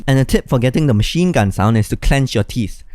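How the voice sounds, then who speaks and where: A man's voice: medium pitch, animated, fairly quick, noisy background. A man teaching beatbox step by step in an encouraging, instructional way. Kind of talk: step-by-step tutorial.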